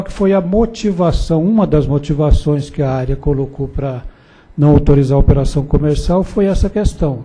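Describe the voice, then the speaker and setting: Dark-voiced Brazilian man, hesitant questioning. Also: on the high side, husky. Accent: Brazilian Portuguese. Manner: hesitant, thinking aloud, questioning. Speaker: regulatory board director. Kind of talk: deliberative meeting discussion. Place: public board meeting room.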